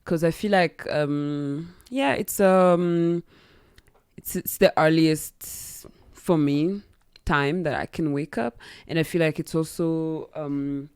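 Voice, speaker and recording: A woman's voice: low voice, slow pace, a little mellow, clear, resonant tone, no room sound. A young woman with a Rwandan accent, chatting reflectively as a musician guest in a radio interview, searching for her words at a close studio mic. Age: young adult. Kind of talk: radio interview, casual chat. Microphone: close studio boom mic.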